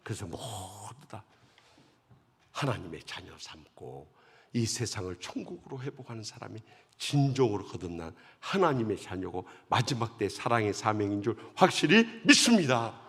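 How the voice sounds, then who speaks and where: A middle-aged male guest preacher telling a story in an emotional revival sermon, dramatic and swinging from hushed to loud, heard with long church hall reverb. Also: lowish voice, big pitch swings, normal speed, creaky, breathy edge. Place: large church sanctuary.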